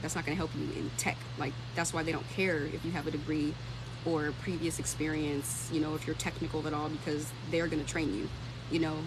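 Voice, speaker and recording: A woman's voice: low-pitched, noisy background. A thirty-year-old woman hosting a casual livestream, talking informally and thinking aloud as she answers comments. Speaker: livestream host and tech career content creator.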